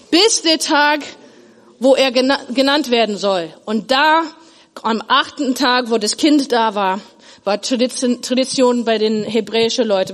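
Woman teaching Bible stories in a hall. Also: on the high side. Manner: simple explaining, animated retelling with slips. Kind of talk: Bible lesson for children.

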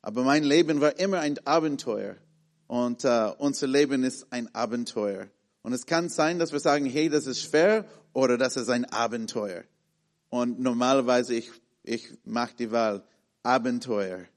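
A man in his thirties with an American accent, preaching in a halting way with many fillers and restarts as he searches for words. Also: mid-range voice. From born in Malaysia, raised in the USA and the Philippines. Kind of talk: sermon with personal story.

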